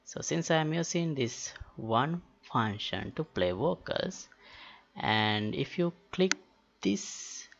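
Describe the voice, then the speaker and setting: A man talking through a software tutorial unscripted, thinking aloud in a halting way with pauses mid-sentence. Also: medium pitch, lively intonation, vocal fry. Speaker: tutorial host. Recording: dull, muffled lo-fi voice-over. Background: keyboard typing and mouse clicks.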